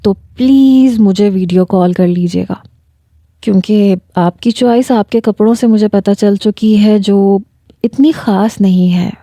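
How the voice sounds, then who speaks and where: A woman's voice: medium pitch, dark tone, dry recording, clean studio sound. A woman with a Pakistani Urdu accent reads a first-person romance story aloud, voicing a young man and his fiancée in the same voice. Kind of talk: scripted narration.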